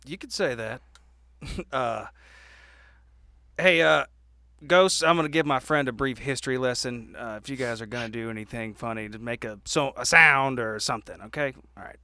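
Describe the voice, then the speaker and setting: A man's voice: medium pitch, moderate pace, bright, forceful tone, no echo. A man playing a tabletop game, telling things casually in an irreverent, sweary, comic way.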